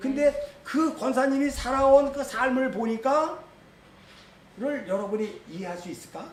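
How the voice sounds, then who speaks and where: An extremely high-pitched male voice, fairly slow, with lively intonation, big swings in loudness, long, frequent pauses, audible room echo and noticeable background noise. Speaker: Bible teacher. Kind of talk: sermon.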